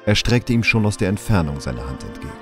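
A man's voice: lowish voice, big pitch swings, fast talker, music in the background. A man reading scripted narration for a German audio drama.

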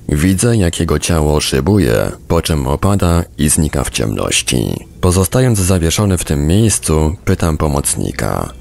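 A man's voice: rumbling low, gravelly, darkish tone. A man reading a book aloud as scripted narration for a podcast. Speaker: audiobook reader, podcast narrator.

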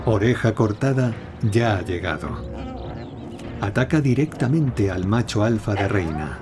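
A man reads scripted nature documentary narration in a measured, dramatic storytelling way. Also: on the low side, lively intonation. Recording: studio voice-over over prominent music. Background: music, animal sounds.

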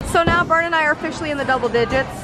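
A woman's voice: high-pitched, rapid-fire, loud music behind the voice. A woman vlogging with a handheld camera, chatting playfully and narrating a bowling game as she plays. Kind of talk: casual vlog commentary. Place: busy bowling alley, indoors. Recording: loud crowded bowling alley noise. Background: loud crowd and alley noise.

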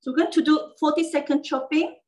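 A woman's voice: high-pitched, fairly quick, darkish tone. A woman hosting a cooking demonstration, explaining each step casually with many fillers and frequent "okay?" checks. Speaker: cooking show host. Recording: echoey room, mic at a distance.

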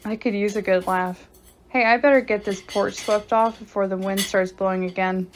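A woman's voice: mid-range voice, fairly even intonation, normal speed, slight background noise, lightly acted. A woman playing a skeptical daughter in a radio drama, with a conversational, sardonic manner. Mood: wry, casual. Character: wry, skeptical grown or teenage daughter.

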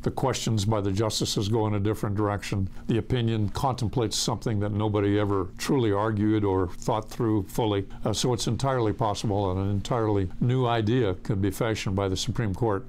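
Older man attorney, deliberate and authoritative. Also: on the low side, steady tone, a little mellow, a little hiss or hum. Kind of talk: interview.

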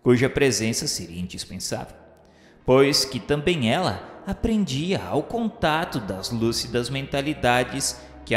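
A man reading a radio novela narration in a solemn, florid, measured literary style. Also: mid-range voice. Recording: echoey long reverb over music. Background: music.

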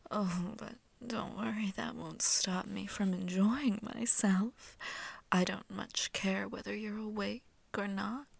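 A woman plays a seductive vampire mistress in an ASMR roleplay. She teases her prey in a condescending, breathy whisper that crackles with fry. The words come unhurried, as if she is savouring a meal. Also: mid-range voice, fairly even intonation, no room sound, exaggerated voice. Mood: mocking, seductive. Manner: whispered, slow, teasing, condescending. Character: seductive, haughty, hungry female vampire mistress toying with prey. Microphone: close microphone.

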